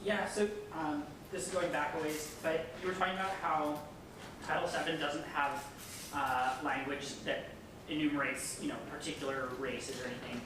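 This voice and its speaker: A man in the audience asking an academic question haltingly, searching for his words. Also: on the high side, fairly even intonation. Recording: echoey room, distant mic, clear noise.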